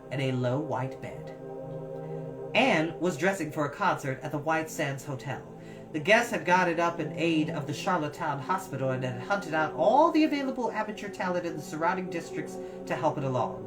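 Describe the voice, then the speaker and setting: A woman reading a classic novel aloud as a storyteller, expressive and lingering over phrases. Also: low-pitched. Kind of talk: scripted narration, storybook reading. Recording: distant mic with music behind. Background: music.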